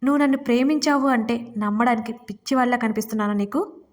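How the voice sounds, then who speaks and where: An angry, stubborn young husband who scolds in short, impatient bursts, read by a woman narrator. The audio story keeps him close to her own higher voice. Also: steady tone, brisk, big-room sound, natural voice.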